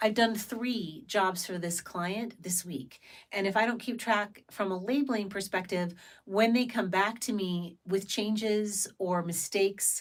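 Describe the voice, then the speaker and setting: This woman speaks at a fairly slow pace in a medium pitch, somewhat breathy. Her pitch varies in an ordinary way. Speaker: voice actor. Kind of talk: casual talk to camera. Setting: studio.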